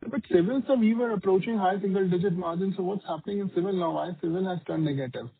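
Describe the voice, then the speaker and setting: A man with an Indian accent asks probing questions as a financial analyst. His voice is fairly high, gravelly and husky. It comes over a tinny conference phone line. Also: quick pace. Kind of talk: unscripted investor questioning. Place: conference call.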